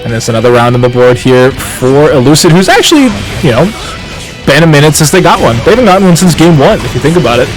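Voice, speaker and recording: A man giving analytical color commentary on a fighting game match, measured with quick asides. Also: a little high, sing-song. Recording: faint music underneath.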